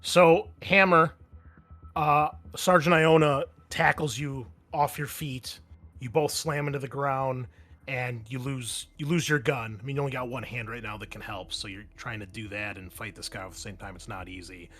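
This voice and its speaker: A man's voice: medium pitch, fairly even intonation, moderate pace, fairly bright tone. A man running a tabletop roleplaying game, explaining action and rules in a casual, profane way. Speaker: game master.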